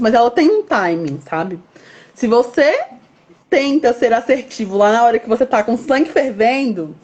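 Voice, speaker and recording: A woman's voice: fairly high pitch, a little mellow, breathy edge, lo-fi sound. A woman hosting a casual online conversation, explaining at length with everyday examples. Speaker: host. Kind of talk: casual chat.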